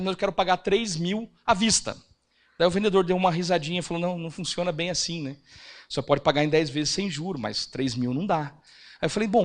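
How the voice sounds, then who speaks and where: A Brazilian man giving a church finance seminar, telling a personal testimony and acting out the dialogue. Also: high-pitched. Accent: Brazilian Portuguese. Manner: animated storytelling, acts out quoted dialogue.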